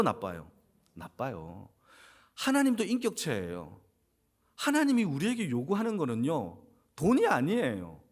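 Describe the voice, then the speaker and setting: Lively pastor preaching. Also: male voice, fairly high pitch. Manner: animated, asks the congregation questions and answers them himself. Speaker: senior pastor. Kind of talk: sermon. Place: church sanctuary.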